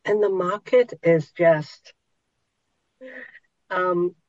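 A middle-aged woman teaches a small group at a very slow, unhurried pace, often pausing and restarting as she searches for words. Her voice sits dry and close, with no room around it, on a somewhat dull, muffled recording. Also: on the low side, steady tone, a little mellow, dry recording. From Hong Kong. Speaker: podcast host and spiritual teacher.

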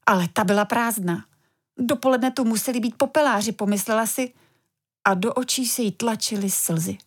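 A woman narrating a children's audiobook story in a calm, expressive way. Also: fairly high pitch, breathy edge.

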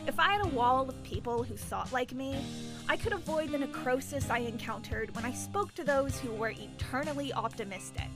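Brooding, high-voiced woman, bitter and grandiose. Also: expressive, normal speed. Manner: grandiose, declamatory monologuing. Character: brooding, bitter, melodramatic woman plotting revenge on an ex. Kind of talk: audio drama acting. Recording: music behind the voice.

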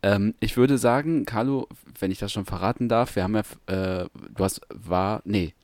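A man co-hosting a podcast in casual chat, talking haltingly with lots of fillers and restarts. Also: lowish voice, a little mellow, dry recording. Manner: hesitant, many fillers and restarts. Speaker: podcast co-host.

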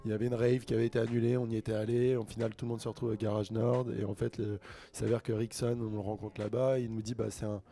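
A man, a guest on a radio show, telling stories in a relaxed, chatty way with fillers. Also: lowish voice, fast talker, few pauses. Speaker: guest, producer and label manager. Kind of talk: casual radio interview. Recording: music playing faintly behind.

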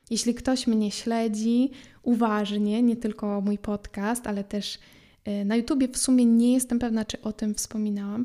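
A woman teaching French in a podcast lesson, explaining grammar clearly and spelling out letters slowly. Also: fairly high pitch, warm tone.

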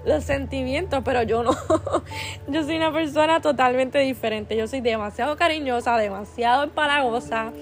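Earnest woman, pitched high. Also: moderate pace, faint music behind. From Puerto Rico. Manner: earnest and affectionate, with constant "¿verdad?" tags and restarts. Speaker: podcast host sharing a devotional. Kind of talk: heartfelt devotional talk.

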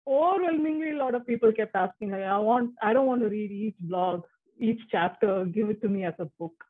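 Woman, forties, native tamil speaker, chatty with restarts, breathy voice, remote call. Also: mid-range voice, brisk. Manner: chatty, with frequent restarts and fillers. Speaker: translator, interview guest. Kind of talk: casual interview conversation. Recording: muffled phone-like line.

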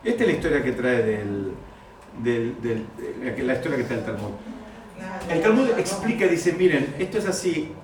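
A man teaching a Talmud story to students, animated and repeating key phrases. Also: mid-range voice, moderate pace, noisy background. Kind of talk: lecture to students. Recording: echoey room, mic far off.

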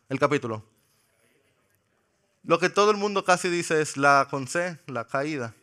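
A man preaching a sermon in a church, playful and joking with the congregation, slowing down to stress key words. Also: a little high, sharp tone, smooth. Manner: slows for emphasis on key words. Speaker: pastor. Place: church sanctuary.

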